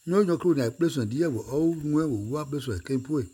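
Husky man chanting repeated refrains. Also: on the high side, animated, moderate pace, warm tone. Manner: repeats short refrains over and over.

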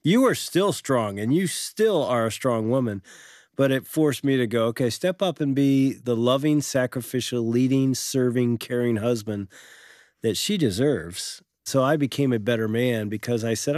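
A man's voice: medium pitch, moderate pace, darkish tone, dry recording, studio quality. Reflective middle-aged man co-host. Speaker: co-host of a marriage radio show. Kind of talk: faith-based conversation.

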